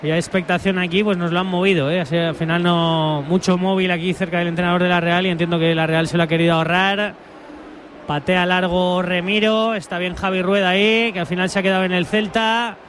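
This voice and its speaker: A man's voice: high voice, steady tone, brisk. A man with an accent from Spain doing live radio football commentary, chatty and joking with his colleagues. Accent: Spanish from Spain. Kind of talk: live match commentary with casual banter. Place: press area at a football stadium. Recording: loud stadium and street noise behind.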